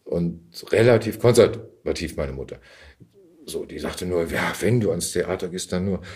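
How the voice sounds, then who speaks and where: A man in his fifties telling stories casually in an interview, thoughtful and halting as he searches for words. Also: sits low, darkish tone, breathy edge. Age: 50s. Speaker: actor and podcast guest.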